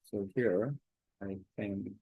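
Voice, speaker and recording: Halting man, slow and hesitant. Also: lowish voice, fairly even intonation, gravelly, husky, no room sound, narrow, tinny audio. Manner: halting, many fillers and restarts. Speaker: language learner. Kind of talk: casual self-recorded talk.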